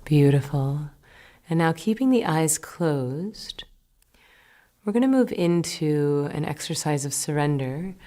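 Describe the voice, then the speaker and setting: Woman meditation teacher, low-pitched, calm guiding delivery with gentle whispered cues. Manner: slow, soothing, gentle instructions with soft whispered words. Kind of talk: guided meditation.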